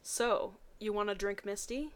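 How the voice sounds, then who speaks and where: A woman's voice: medium pitch, a little slow, lightly acted. A woman voicing a mischievous, lovestruck teenage boy in a storybook reading, casual and emphatic. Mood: courteous.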